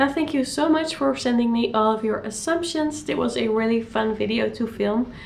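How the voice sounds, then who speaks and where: Moderate-paced speech from a woman, with noticeable background noise and audible echo in the room. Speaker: stay-at-home mom vlogger. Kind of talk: casual vlog chat. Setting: indoors at home in front of a window. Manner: soft-spoken; calm, reserved.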